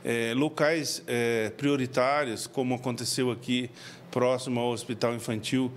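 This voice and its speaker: Halting Brazilian official at a press mic. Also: male voice, medium pitch, fairly even intonation, slight background noise. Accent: Brazilian Portuguese. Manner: halting, many "é" fillers, explanatory. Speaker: civil defense official. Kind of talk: press interview. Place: indoors before a press backdrop. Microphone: several handheld reporter mics.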